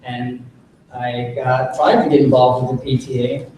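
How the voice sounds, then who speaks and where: A man of Cuban heritage telling a personal story as a panel speaker, chatty and jokey with quick asides. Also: mid-range voice, flat delivery, a little mellow, a little hiss or hum. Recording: echoey hall from far off.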